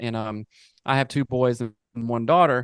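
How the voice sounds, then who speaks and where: The speaker has a normal speaking voice with an American accent and a moderate pace. The sound is dry and close with no echo, over a quiet background. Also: man. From US South, upstate South Carolina. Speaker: marriage and family therapist. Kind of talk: podcast interview. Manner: casual, many fillers and restarts.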